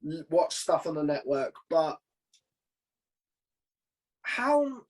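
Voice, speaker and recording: A man hosting a relaxed podcast interview, asking questions in an informal, inquisitive way. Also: fairly high pitch. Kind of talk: casual conversational interviewing.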